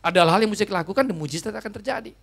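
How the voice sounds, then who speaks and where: A male pastor delivers an emphatic sermon with a gravelly, creaky voice. He slips English phrases into his talk and keeps speaking straight to his congregation. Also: high-pitched, animated, racing, a bit bright. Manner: emphatic, mixes English phrases into his talk, often addresses listeners as "saudara".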